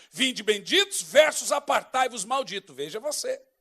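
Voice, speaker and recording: A man speaks at a moderate pace in an extremely high voice. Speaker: pastor. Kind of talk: sermon.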